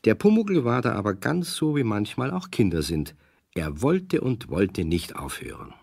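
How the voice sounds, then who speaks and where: A man's voice: on the low side, big pitch swings, normal speed, gravelly, a little mellow, no echo, studio quality. A man narrating a children's audio story as a storyteller.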